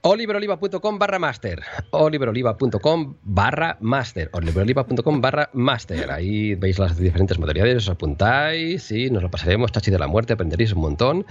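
A man who is a radio host and voice coach, chatting casually about scripts, a bit hoarse and playing with his intonation. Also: on the low side, a little fast, hardly any pauses, muffled recording. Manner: animated, playful intonation demos. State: losing his voice. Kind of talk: casual podcast chat.

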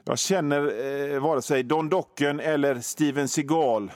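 A middle-aged man on the radio delivers absurd tall tales, swearing and shifting his delivery dramatically for laughs. His voice is on the high side, recorded dry with studio quality.

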